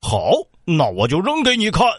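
A man's voice: a little high, huge pitch swings, moderate pace, slightly rough, no echo, clean studio sound, voice pushed up, exaggerated voice. A man voicing a big, bragging male black bear in a children's story, blustering and proud of his strength. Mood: boastful.

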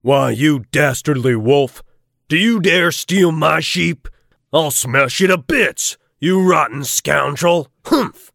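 A man's voice: a little high, takes it slowly, vocal fry, a bit bright, no room sound, clean studio sound, exaggerated voice. A man voicing an angry farmer in a children's cartoon story, blustering and scolding. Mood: furious.

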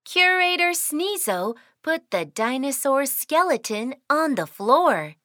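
Woman narrator, sing-song kids cartoon, high bright voice, slow. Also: sing-song, no echo, studio quality. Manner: sing-song, cheerful storytelling. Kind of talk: scripted children's story narration.

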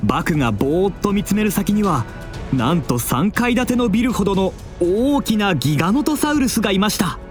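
A man tells a children's adventure story with expressive, dramatic pacing. His voice sits a little high and moves up and down a lot, over soft background music. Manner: expressive, drawn-out dramatic telling. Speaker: narrator.

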